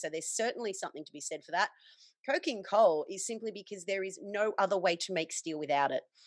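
This woman speaks with an Australian accent at a medium pitch, her intonation lively. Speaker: commodities analyst and geology student. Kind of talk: casual interview chat. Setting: video recording.

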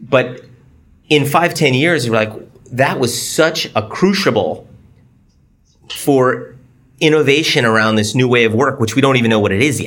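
Audible room echo surrounds a man with an American accent who talks at a moderate pace with a medium pitch and long, frequent pauses. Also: ordinary pitch variation. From US Northeast (Cape Cod) and Miami. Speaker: business executive and former sailing coach. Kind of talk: casual interview. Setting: video call from an office.

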